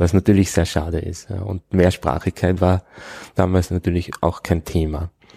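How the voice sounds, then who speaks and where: A man speaks at a moderate pace with a very deep, low pitch, in a monotone, flat intonation and a dark, mellow, somewhat breathy tone. The sound is dry and close with no echo, on a very clean recording with a silent background. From Austria, Tyrol (Innsbruck). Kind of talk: interview. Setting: office.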